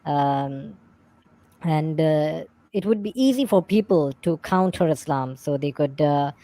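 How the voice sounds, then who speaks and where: A woman with a distinctly low-pitched voice and a soft, dark tone. She has a South Asian accent shaped by native Urdu. As a livestream panel guest, she speaks off the cuff in halting English, often repeating herself while she looks for the word. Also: expressive, dry recording. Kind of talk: unscripted livestream talk.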